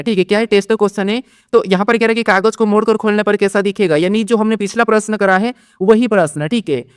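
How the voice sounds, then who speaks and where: Fast-talking male reasoning teacher. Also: sits high, clean tone, no room sound, clean studio sound. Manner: repeats questions and answers them himself; keeps tagging steps with "theek hai". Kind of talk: exam-prep lesson.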